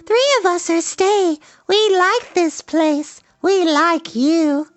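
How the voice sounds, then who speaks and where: Tiny, high-pitched baby spider. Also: female voice, slow. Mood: friendly. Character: tiny cheerful young female spider, newly hatched. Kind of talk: children's storybook character voice.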